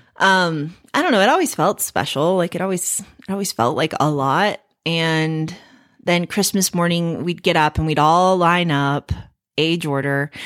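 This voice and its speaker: On a very clean recording with a silent background, a woman with an American accent speaks at a fairly slow pace in a very deep, low pitch, with ordinary pitch variation. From US Midwest, Chicago area. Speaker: podcast host, former cult member. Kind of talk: casual chat.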